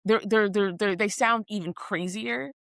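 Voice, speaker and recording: A woman's voice: medium pitch, unhurried, gravelly, fairly bright tone, no room sound, clean studio sound. A woman co-hosting a podcast, speaking casually and indignantly, tripping over repeated words. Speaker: podcast co-host. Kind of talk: casual conversational podcast chat.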